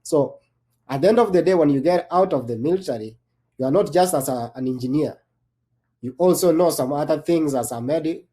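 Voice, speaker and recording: Panel guest, Kenyan-born male veteran; dark tone, loose delivery full of restarts. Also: on the high side, a little fast. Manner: rambling, many restarts and fillers. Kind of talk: panel discussion.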